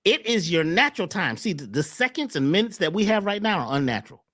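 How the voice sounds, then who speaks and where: A man talking as a wellness coach on a talk show, emphatic and repetitive, often jumping high on key words. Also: sing-song, fast, pushed and bright, no echo, clean studio sound. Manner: emphatic, repeats phrases, swoops up on key words. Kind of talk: animated talk-show conversation.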